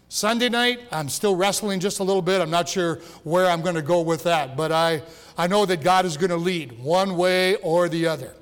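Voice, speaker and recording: A high-voiced older man preaching in a church, his words trailing off in a long hall reverb. He is a pastor in his sixties, folksy and joking, often stumbling and restarting his sentences. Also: a bit bright. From Michigan. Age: 60s. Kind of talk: sermon. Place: church sanctuary.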